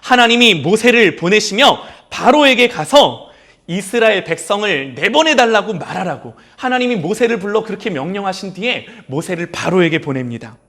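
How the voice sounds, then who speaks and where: Earnest preaching man, slightly high voice. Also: expressive, moderate pace. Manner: gentle, speaks directly to his young son; earnest preaching with rising exclamations. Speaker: pastor. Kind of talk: sermon. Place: small church, few listeners.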